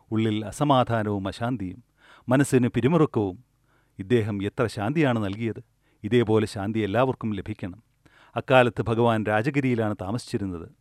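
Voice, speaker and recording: A man giving a spoken dharma discourse, retelling an old story in a slow, measured way that often drops soft and low. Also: no room sound, studio quality.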